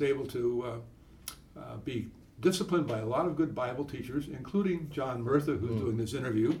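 Through noticeable background noise, a man with a medium pitch speaks at a moderate pace with lively intonation. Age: 80s. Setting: radio studio interview.

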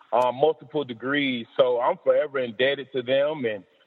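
A man talks with a Southern US accent and fairly even intonation. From Alabama (Decatur). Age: 20s. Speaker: former college football player, doctoral student. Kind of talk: interview.

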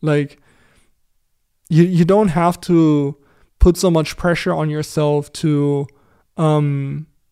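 A man with a German accent speaks at a fairly slow pace in a dark, mellow tone, his pitch fairly high and his intonation fairly even. The recording is very clean, with a silent background. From Germany. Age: 20s. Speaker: TikTok creator and podcaster. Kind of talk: casual Q&A monologue. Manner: hesitant, many fillers.

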